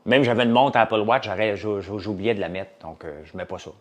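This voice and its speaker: A man's voice: on the low side, fairly quick. A man with a Québécois French accent, a farmer and business owner, chatting casually to a live audience and rambling from topic to topic with many fillers.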